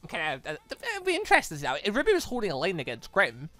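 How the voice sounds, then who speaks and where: A man's voice: sits high, huge pitch swings, rapid-fire, sharp tone, dry recording, faint music behind. A man hosting a gaming channel, rambling enthusiastically as he wraps up a visual novel playthrough. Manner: rambling, enthusiastic, many restarts. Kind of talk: casual game wrap-up commentary.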